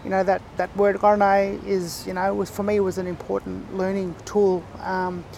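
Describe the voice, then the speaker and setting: A man with an Aboriginal Australian accent speaks in a fairly high register with little melodic swing and a touch of creak. He talks reflectively as an interview guest, explaining as he goes and pausing mid-thought. Light outdoor noise sits behind him. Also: monotone, darkish tone. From Far East Gippsland, Victoria, Australia. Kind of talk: reflective casual interview talk.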